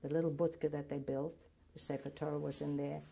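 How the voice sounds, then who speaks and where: Older woman from Greece, first language Greek, oral history interviewee; low, raspy voice, halting recollection. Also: flat delivery, mellow. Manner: reminiscing, halting with restarts.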